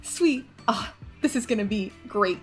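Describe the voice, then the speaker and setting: A woman's voice: medium pitch, lively intonation, measured pace, faint music behind, lightly acted. A woman playing an eager, ambitious teenage schoolgirl in an audio drama, talking informally and with enthusiasm. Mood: excited.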